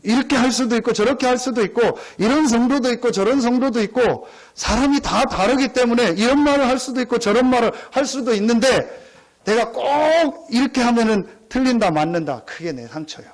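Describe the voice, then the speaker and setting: A man's voice: very high voice, lively intonation, fairly quick. A middle-aged man preaching a sermon as pastor, emphatic and repetitive, often calling out to the congregation. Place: church sanctuary.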